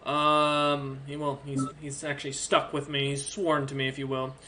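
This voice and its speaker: A man voicing a massive male red orc emperor who speaks calmly and matter-of-factly, even about threats. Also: medium pitch, normal speed, a little hiss or hum, lightly acted. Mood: businesslike. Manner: calm, dry, matter-of-fact threats.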